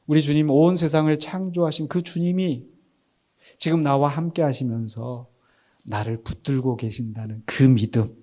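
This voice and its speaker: A fairly high-pitched middle-aged male pastor delivering a Sunday sermon in a church. He preaches conversationally, firing off rhetorical questions and answering them, and breaks into little acted-out quotes. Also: steady tone, normal speed, warm tone. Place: church sanctuary.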